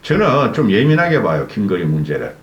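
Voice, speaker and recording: A man's voice: lowish voice, wildly swooping pitch, a little fast, reverberant, muffled recording. A man hosting his own channel, delivering an angry political commentary rant, scolding and swearing with constant rhetorical "eh?" tags.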